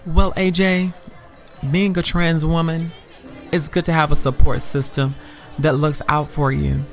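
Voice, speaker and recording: A man voicing a flirty, excited trans woman on a date, with a coy, sassy lilt, in an audio story. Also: a little high, unhurried, soft background music, some chatter behind. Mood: coy, warm.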